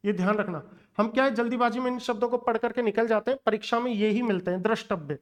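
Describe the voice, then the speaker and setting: A man's voice: very high-pitched, fast talker. Man, language teacher, exam-prep lesson, emphatic, lecturing, repeats words to drill them. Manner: lecturing, addresses viewers directly. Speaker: Hindi teacher.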